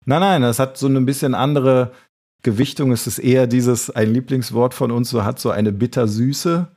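A man's voice: medium pitch, fairly even intonation, moderate pace, a little mellow. A man co-hosting a podcast in casual chat, rambling and correcting himself as he talks. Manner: rambling, self-correcting, hesitant. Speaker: podcast co-host.

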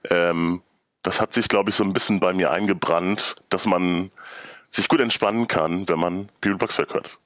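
A man chatting casually as a podcast guest, often halting as he searches for words. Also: deep voice, fairly even intonation, fairly bright tone, no room sound, studio quality. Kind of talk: casual chat.

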